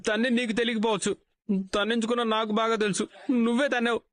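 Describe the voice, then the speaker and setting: A fretful superstitious husband. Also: male voice, sits high, expressive, a little fast, no echo. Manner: fretful, comic complaining. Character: gullible superstitious young husband, fussy. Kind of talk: TV serial acting.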